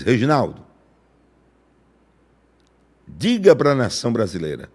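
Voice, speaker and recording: Fervent Brazilian preacher man. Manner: fervent, swings from hushed to booming. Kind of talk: prophetic sermon on a live stream.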